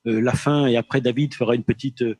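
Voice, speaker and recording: A man moderating a panel discussion, speaking haltingly and often repeating words as he goes. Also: medium pitch, steady tone, darkish tone, no room sound.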